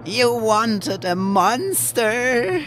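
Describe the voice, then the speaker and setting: A man voicing a vengeful mad witch woman with a shrill cackling voice. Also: big pitch swings, drawn-out words, a bit bright, soft background music, heavily acted. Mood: mocking glee.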